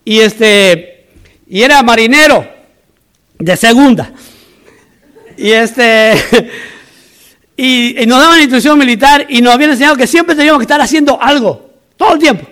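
A man's voice: very high voice, a little slow, pauses often, fairly bright tone. A man from Argentina preaching a sermon as a pastor, emphatic and repetitive, with humorous asides.

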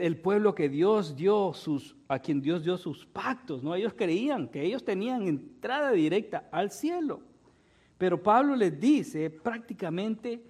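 A man's voice: sits high, darkish tone. A male pastor preaching a sermon, retelling a fable and tagging his sentences with "¿no?". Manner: storytelling with frequent "¿no?" tags.

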